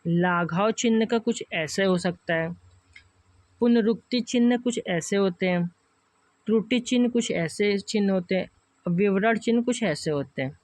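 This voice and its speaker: Hindi-speaking teacher walking through exam questions. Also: male voice, high-pitched, a little slow, a little mellow, dry recording. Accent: Hindi, north Indian. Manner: addresses viewers as friends, walks through each option repeatedly. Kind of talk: online class lecture.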